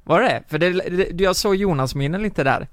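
A man's voice: high voice, dry recording, studio quality. A young man co-hosting a podcast, bantering and defending himself with jokes in casual chat. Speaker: podcast co-host. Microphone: studio microphone.

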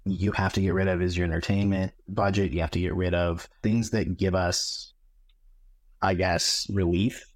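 A man's voice: deep voice, level tone, normal speed, no echo. A man in his thirties, a renter, speaking casually with fillers about his budget. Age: 30s. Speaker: interviewed renter. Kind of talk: interview testimony.

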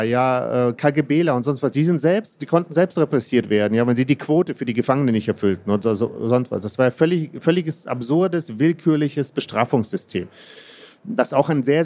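A man's voice: medium pitch, a little mellow. A man from Kazakhstan, an author answering interview questions in a thoughtful, hesitant way with many fillers and restarts. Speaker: author guest.

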